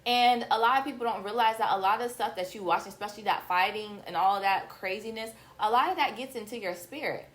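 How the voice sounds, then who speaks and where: An American woman talks as a podcast host in a mid-pitched voice. Her style is casual and conversational, yet direct and assertive, often turning to advice. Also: brisk, few pauses.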